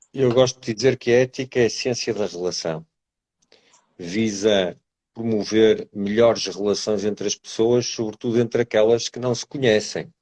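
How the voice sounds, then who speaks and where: A man talks with a European Portuguese accent and fairly even intonation. The sound is dry and close, with no echo. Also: medium pitch for a man, moderate pace. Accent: closed European Portuguese. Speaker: psychology professor. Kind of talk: interview conversation.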